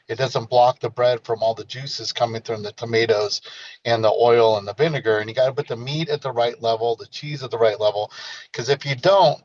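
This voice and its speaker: A man's voice: mid-range voice, dry recording. Slightly dull, lo-fi audio of a man with a mid-range voice. He talks casually as a guest, explaining things conversationally. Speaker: guest music maker. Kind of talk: casual chat.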